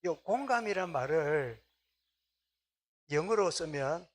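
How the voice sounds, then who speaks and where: A man's voice: on the high side, lively intonation, slow. A middle-aged man, preaching a conversational sermon as a pastor.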